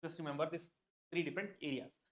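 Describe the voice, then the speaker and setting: A man's voice: on the high side, fast talker. Chatty Indian man teaching a live class. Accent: Indian English. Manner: chatty, repeats himself, many "like" fillers, addresses viewers by name. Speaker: online exam tutor. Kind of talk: live-stream lecture.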